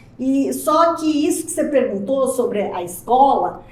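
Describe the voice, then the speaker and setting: A woman's high voice at a fairly slow pace, very wide pitch swings, audible room echo and noticeable background noise. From Brazil, Mato Grosso do Sul (Campo Grande). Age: 60s. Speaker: visual artist. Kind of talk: interview. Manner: casual, conversational.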